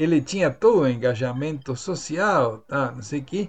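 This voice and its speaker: A man speaks with an Argentine accent at a fairly high pitch. His voice is somewhat breathy. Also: quiet background. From Argentina. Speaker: economics professor. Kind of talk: interview.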